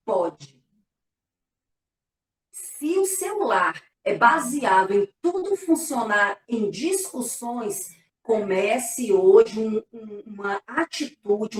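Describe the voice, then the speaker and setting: Higher-voiced woman pastor, echoey room. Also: distant mic. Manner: earnest, explanatory, frequent "né?" tags. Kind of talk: casual church live talk.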